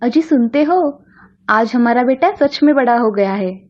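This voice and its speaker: A woman's voice: on the high side, lively intonation, a little slow, lo-fi sound. A woman voicing a hardworking, worried village mother in a cartoon, speaking earnestly. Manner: earnest and pleading.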